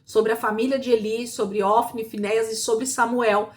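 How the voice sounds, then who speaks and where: A woman teaching a Bible class in a conversational, emphatic way, asking rhetorical questions and slowing down to stress her points. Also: fairly high pitch, flat delivery.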